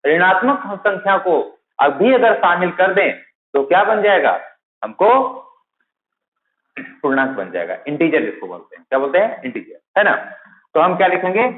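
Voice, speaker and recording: A man's voice: high-pitched, big pitch swings, moderate pace. A man teaching math for teaching exams, who keeps asking a question and then answering it himself, repeating the key terms. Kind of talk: classroom-style lecture. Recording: tinny, phone-like, echoey room.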